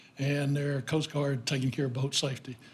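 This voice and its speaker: Somewhat breathy speech in a Tennessee accent moves at a moderate pace, with audible room echo. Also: man. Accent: Tennessee Southern. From US South, Tennessee. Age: 70s. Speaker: retired real estate appraiser, public commenter. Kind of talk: public comment at council meeting. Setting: city council chamber.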